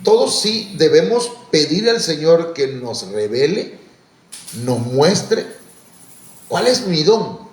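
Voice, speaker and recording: Male preacher, folksy storyteller, echoey church sound. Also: fairly high pitch. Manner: folksy, storytelling with asides and restarts; exhorting, rising on calls to serve. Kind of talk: conversational sermon.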